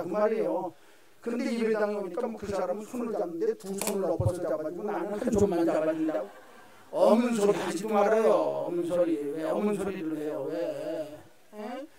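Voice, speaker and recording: Pastor, male, high voice, emphatic sermon, heavy church echo from a distant mic. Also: a little mellow. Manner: emphatic, repeats phrases, calls out to the congregation. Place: church sanctuary. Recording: echoey hall from far off.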